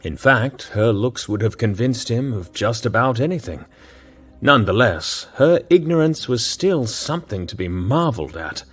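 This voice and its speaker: A man narrating an audio drama in a measured storytelling manner. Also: mid-range voice, animated, breathy edge.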